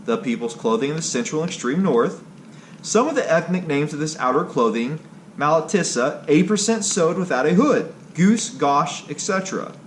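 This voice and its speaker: A man reading a scripted history narration aloud, somewhat haltingly. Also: fairly high pitch. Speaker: video creator and narrator. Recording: clearly noisy background ambience.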